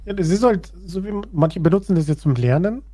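Male co-host, husky, laid-back, amused, dry close mic. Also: high voice, animated, a little fast, dark tone, dry recording. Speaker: podcast co-host. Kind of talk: casual comedic chat.

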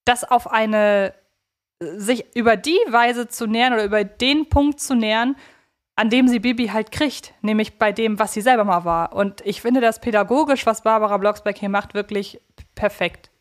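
A woman's voice: fairly high pitch, normal speed. Woman co-hosting a chatty podcast. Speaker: podcast co-host. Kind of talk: casual analytical chat.

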